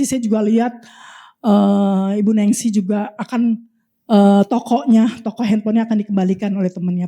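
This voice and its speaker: A woman with an Indonesian accent preaching an animated sermon, telling testimonies and prophesying over the congregation. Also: mid-range voice. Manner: animated, repeatedly addressing the congregation.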